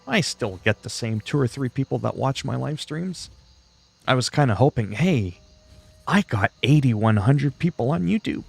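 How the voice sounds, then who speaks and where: A man's voice: mid-range voice, creaky. A man from Canada whose first language is French, chatting casually on a livestream in a self-deprecating, salty, freely swearing way. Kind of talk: casual rambling livestream chat.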